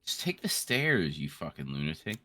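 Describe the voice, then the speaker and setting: A man in his late twenties giving casual, joking game commentary in a crude, rambling, animated way. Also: very deep voice, normal speed. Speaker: co-host of a gaming series.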